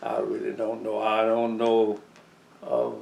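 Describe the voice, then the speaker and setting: At a very slow pace, a man speaks with a Southern US accent. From Georgia, USA. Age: 80s+. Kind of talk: interview answer. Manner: slow, hesitant.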